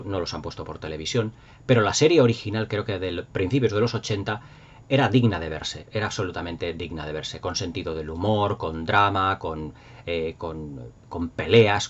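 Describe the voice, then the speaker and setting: Dull lo-fi audio captures a low-pitched, fairly quick male voice. He is a middle-aged YouTube host from Spain with a Spanish accent, chatting casually and nostalgically with viewers, rambling enthusiastically and with emphasis.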